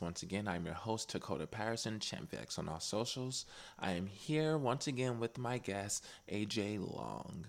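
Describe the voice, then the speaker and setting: In a very clean recording with a silent background, a man talks in an unremarkable speaking voice, fairly low in pitch with ordinary pitch variation. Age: 20s. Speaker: podcast host. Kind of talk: scripted narration; casual chat.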